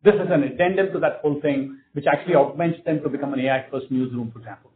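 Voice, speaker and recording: A man talks quickly and emphatically in a fairly high voice. He explains the business to analysts on an earnings call. The sound is a tinny phone line. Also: a little hiss or hum. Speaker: company executive answering analysts.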